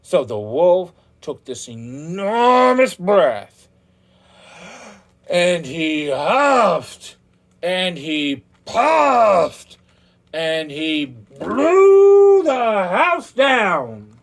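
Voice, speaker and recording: Animated, unhurried male children's storyteller. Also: sits high. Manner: theatrical, with drawn-out emphasis and direct asides to listeners. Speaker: storyteller reading a children's book aloud.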